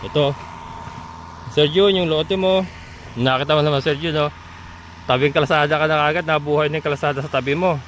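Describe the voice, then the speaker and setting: A man's voice: on the high side, steady tone, a little fast, long pauses, rough recording. Chatty man touring land outdoors. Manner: chatty, points things out to viewers, laughs often. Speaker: vlogger giving a land development tour. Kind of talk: casual walking tour vlog. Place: outdoors at a rural lot by a road. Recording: outdoor phone recording with loud traffic noise.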